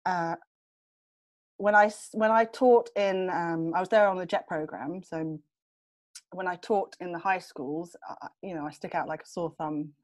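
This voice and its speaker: A young woman from England chatting as a guest on a podcast, her voice sitting somewhat low. She hesitates often, restarts her sentences and breaks into laughter as she talks. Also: fairly even intonation, normal speed. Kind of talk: relaxed conversational interview.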